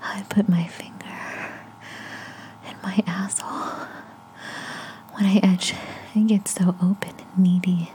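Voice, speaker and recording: A woman speaking in a breathy, intimate whisper directly to the listener in an erotic audio monologue. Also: mid-range voice, flat delivery, slow pace, pauses often, dark tone, slight background noise, low-quality recording. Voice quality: breathy, mostly unvoiced whisper. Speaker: amateur erotic audio performer.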